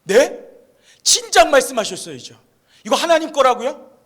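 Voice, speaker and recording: A man's voice: sits high, expressive, a little fast. A man voicing an earnest native villager who questions the missionary and reacts in surprise. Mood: surprised.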